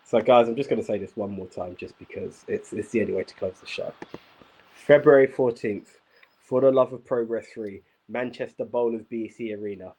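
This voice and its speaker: A man's voice: mid-range voice, fairly quick, warm tone, slightly rough, low-quality recording. A man hosting a wrestling review show, speaking emphatically and repeating himself for emphasis. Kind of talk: casual podcast chat.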